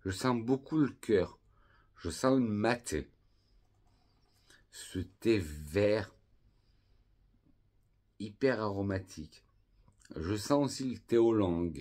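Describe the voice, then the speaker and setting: A man from France reviewing perfumes in a casual vlog, calmly and unhurriedly listing scent notes one by one. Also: on the low side, takes it slowly, pauses often.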